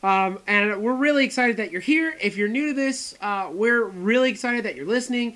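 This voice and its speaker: Upbeat lady co-host, bright sharp voice, playful and chatty. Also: on the high side, normal speed. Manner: playful, upbeat, many fillers. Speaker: podcast co-host. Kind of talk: casual podcast chat.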